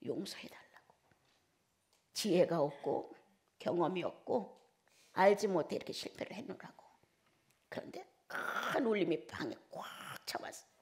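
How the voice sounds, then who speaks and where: A woman preaching a Sunday sermon, telling a personal testimony with emotion and swinging between loud declarations and hushed whispers. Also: on the low side, animated, moderate pace, long pauses. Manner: emotional storytelling.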